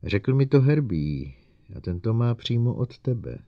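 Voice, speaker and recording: A man voicing an arrogant, scheming young male mathematician who talks loud and sneering. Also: medium pitch, big pitch swings, no room sound, lo-fi sound, pitched above the performer's own voice, natural voice. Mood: gloating.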